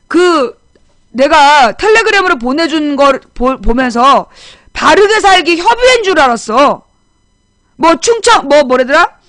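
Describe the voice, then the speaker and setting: A woman's voice: very high voice, fairly bright tone, dry recording. A woman hosting a political talk show, chatting bluntly and scolding, repeating her points for emphasis. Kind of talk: casual political commentary chat.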